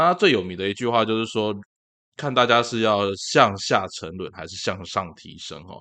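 A man speaks at a moderate pace with a fairly low pitch and a bright, sharp tone. His intonation is lively, his loudness swings a lot, and the background is quiet. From Taiwan, Tainan. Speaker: podcast host, political commentator. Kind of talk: solo political commentary.

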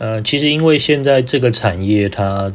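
Here is a man with a plain, everyday voice, pitched fairly low. His intonation is lively. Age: 20s. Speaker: concept designer. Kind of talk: casual interview.

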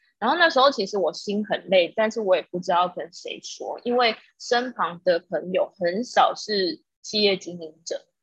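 A woman at a moderate pace, somewhat breathy and medium-pitched, with lively intonation. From Taiwan, Kaohsiung. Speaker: seafood e-commerce business owner, lecturer. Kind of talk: online lecture.

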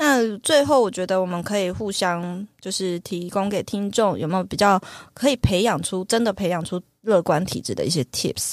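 This woman's voice sits at a medium pitch and moves at a moderate pace. The recording is very clean, with a silent background. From Taiwan. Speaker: podcast host. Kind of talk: casual chat.

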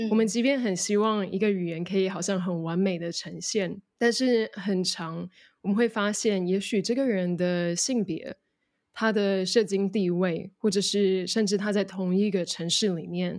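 A woman of medium pitch talks at a fairly slow pace with fairly even intonation, on a very clean recording with a silent background. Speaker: English coach. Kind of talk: interview conversation.

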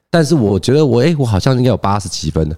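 A man's voice with a dark, mellow tone and lively intonation. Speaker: podcast co-host. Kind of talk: casual chat.

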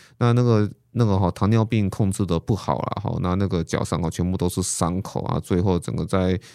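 With a Taiwanese accent, a man talks at a fairly quick pace in a very deep, low, dark and mellow voice, with ordinary pitch variation and hardly any pauses. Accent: Taiwanese Mandarin. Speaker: physician in geriatric and palliative care. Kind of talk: interview. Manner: frequent filler particles, casual.

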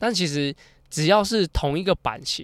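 A man speaks with ordinary pitch variation. The recording is very clean and silent behind him, dry and close with no echo. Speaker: podcast host and triathlete. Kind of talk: casual solo podcast talk. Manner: hesitant with many fillers.

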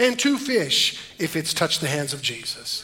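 A man projects his raised voice at a moderate pace while noticeable background noise carries on behind him. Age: 40s. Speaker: pastor. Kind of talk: sermon. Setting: church service with congregation.

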